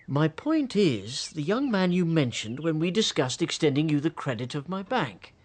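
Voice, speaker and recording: A greedy banker baron in a radio drama, speaking in a fairly high voice. He fawns and flusters, stumbling and hesitating as he tries to please. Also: big pitch swings, normal speed. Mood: fawning. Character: fawning, greedy middle-aged male banker baron.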